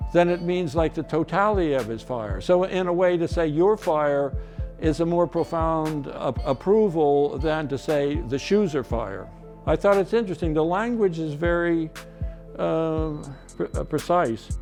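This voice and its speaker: With music in the background, a man talks at a fairly slow pace and a fairly high pitch, with ordinary pitch variation. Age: 70s. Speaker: streetwear collector, former art history teacher. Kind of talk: interview answer.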